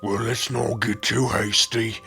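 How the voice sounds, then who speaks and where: A man voicing a scheming, mocking older orc chieftain with a rough, gravelly voice, theatrical and boastful, in an ASMR roleplay. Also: fairly low pitch, level tone, a little slow, sharp tone, faint music behind, full character voice.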